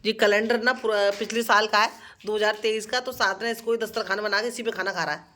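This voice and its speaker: A woman's voice: mid-range voice, fairly even intonation, fast, bright, forceful tone, a little hiss or hum. A young woman vlogging her day to a handheld phone camera, chatting with viewers she keeps calling "friend". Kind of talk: casual daily vlog chat. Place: out and about, later at home kitchen.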